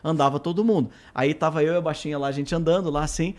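A man telling a road trip story in casual chat, animated and acting out the voices of the people in it. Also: fast. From southern Brazil. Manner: animated, acts out quoted voices with big pitch jumps.

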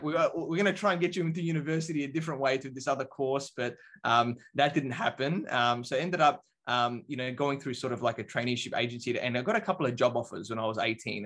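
A relaxed Australian man in his thirties talks casually as a podcast guest. He leans on fillers as he tells his story, in a voice of middling pitch. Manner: relaxed, many fillers like um and you know. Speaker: business coach guest. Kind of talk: casual interview chat.

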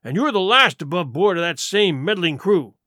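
A man's voice: high-pitched, sing-song, normal speed, pushed and bright, no room sound, clean studio sound, full character voice. Man acting a cunning, scornful, swooping pirate ringleader. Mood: indignant, vehement. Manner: rustic nautical dialect, sarcastic, emphatic, rhetorical. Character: cunning, scornful pirate sea cook leading mutineers. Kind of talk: audiobook character acting.

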